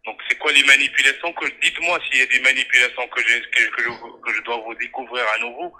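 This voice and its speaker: Sharp, fast-talking man on a phone line. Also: medium pitch, little pitch movement. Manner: insistent, formal, defensive. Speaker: second-level telecom support technician. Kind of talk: customer service phone call. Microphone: telephone. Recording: tinny telephone line.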